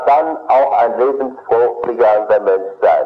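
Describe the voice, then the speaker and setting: The background stays quiet. Speech unfolds at a fairly slow pace. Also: man. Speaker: speaker. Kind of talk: sermon-like lecture. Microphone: old recording.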